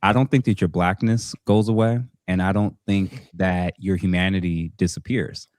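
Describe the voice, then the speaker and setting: Male host, very deep, measured and clarifying, dry studio. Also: steady tone, darkish tone, no echo. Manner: measured, clarifying, affirming with frequent "mm-hmm". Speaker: podcast host. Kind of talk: moderating a panel discussion.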